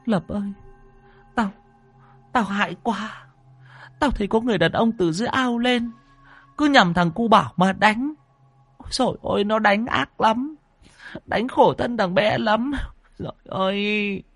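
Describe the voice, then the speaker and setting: A man voicing a frightened, grieving old grandmother who wails in a high, tearful voice. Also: a little slow, pauses often, a bit bright, no echo, soft background music, full character voice.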